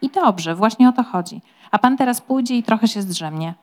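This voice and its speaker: A woman reading a calm, soothing loyal manservant. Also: on the high side, brisk, close to an everyday voice. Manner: soothing, reassuring. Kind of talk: audiobook-style reading of a novel.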